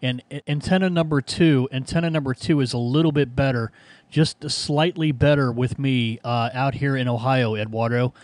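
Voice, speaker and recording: A man's voice: medium pitch, steady tone, moderate pace, dry recording. A man with an American accent talking casually as an amateur radio operator, repeating key phrases. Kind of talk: ham radio contact, casual exchange. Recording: loud background noise and clicks.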